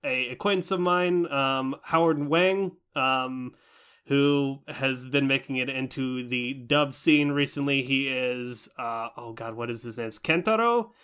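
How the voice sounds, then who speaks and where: Smooth-voiced young man rambling about anime. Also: mid-range voice, unhurried. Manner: rambling, many fillers, animated. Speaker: podcast co-host. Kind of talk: casual anime review chat.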